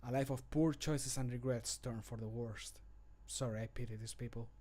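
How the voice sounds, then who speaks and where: A man voicing a somber, pitying adventurer for a fantasy game, with dramatic, drawn-out gaps in a scripted delivery. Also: medium pitch, fairly even intonation, dark tone, lightly acted. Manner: slow, dramatic, gapped delivery. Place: small home room.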